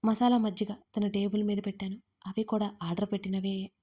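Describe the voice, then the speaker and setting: A woman's voice: mid-range voice, level tone, brisk, mellow. A woman narrating a first-person audio story in an intimate, conversational way. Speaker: author and narrator.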